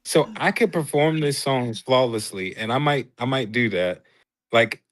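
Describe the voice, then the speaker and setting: A man's voice: medium pitch, measured pace, fairly bright tone, dry recording. A man, a guest artist on a podcast, talking earnestly and agreeably in casual chat.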